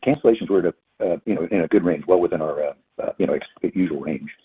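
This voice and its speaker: A male company executive answering questions on an earnings call in a halting, word-repeating way. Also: low voice, slightly rough. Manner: halting, hesitant, repeats words. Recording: phone-like narrow band conference call.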